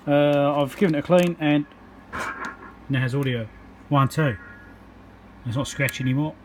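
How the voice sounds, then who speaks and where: A man's slightly high voice, at normal speed, carries a New Zealand accent as he walks through his electronics repair work at an indoor bench. The delivery is casual, unscripted and matter-of-fact, and there is slight background noise.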